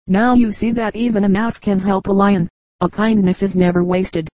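A woman voicing a timid little female mouse in a storybook reading, speaking gently and pleadingly. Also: mid-range voice, level tone, normal speed, dry recording, lightly acted.

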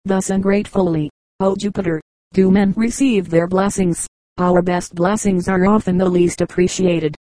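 A woman narrates old fables at a steady, measured pace. Her voice sits low and sounds warm and relaxed. The recording is dry and close, with no room sound. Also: no echo, rough recording. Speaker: audiobook reader. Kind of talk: scripted storybook narration.

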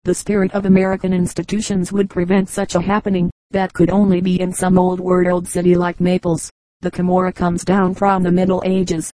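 A woman's voice: fairly low pitch, monotone, a little fast, mellow, no echo, lightly acted, low-quality recording. Woman doing an earnest young census officer.

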